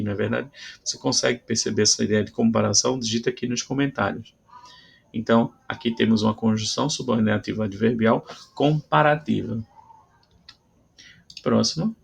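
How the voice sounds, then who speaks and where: A man's voice: mid-range voice, vocal fry, husky. A man with a Brazilian Portuguese accent teaching a grammar lesson, explaining patiently and checking in with frequent "tá?" between examples.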